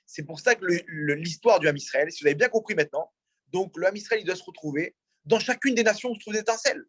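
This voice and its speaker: Husky-voiced man giving a religious class. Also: sits high, animated, quick pace, fairly bright tone, no room sound. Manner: explanatory, rhetorical questions to the audience. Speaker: rabbi teaching a class. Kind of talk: religious lecture. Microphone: in-room mic, also streamed on a video call.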